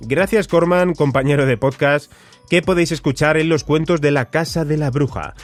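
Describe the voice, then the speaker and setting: A man hosting a podcast, reading his questions and closing promotions in a measured, read-aloud manner. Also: a little high, loud music behind the voice. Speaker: podcast host. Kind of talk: scripted podcast narration.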